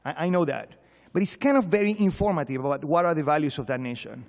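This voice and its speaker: A man's voice: on the high side, animated, quick pace, vocal fry, a little mellow. A man from Venezuela with a Venezuelan Spanish accent, a professor speaking informally and emphatically at a conference, with humor, repetition and rhetorical questions. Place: large conference hall. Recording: echoey hall, long reverb.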